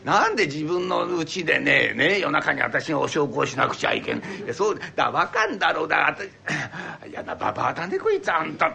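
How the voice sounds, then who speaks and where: A man's voice: fairly high pitch, animated, a little fast, vocal fry, few pauses, pushed and bright, heavily acted. A man voicing a fond, sake-loving old merchant father who coaxes and stammers, in a rakugo story. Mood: wheedling, flustered. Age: older. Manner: coaxing, stammering, whiny pleading.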